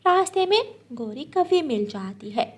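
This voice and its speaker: A woman's voice: sits high, sing-song, measured pace. A woman narrating a children's cartoon story in a plain storytelling manner.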